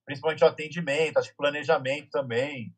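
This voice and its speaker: Guy on a video call, kinda husky, higher voice, slow to find his words. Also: steady tone. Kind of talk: casual live panel chat.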